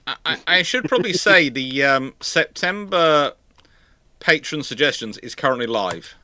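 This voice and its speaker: Bright-voiced man talking off the cuff, stammering. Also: a little high, animated, moderate pace. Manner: stammering, repeats words and restarts mid-phrase. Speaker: livestream host answering viewer questions. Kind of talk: casual live question-and-answer talk on naval history.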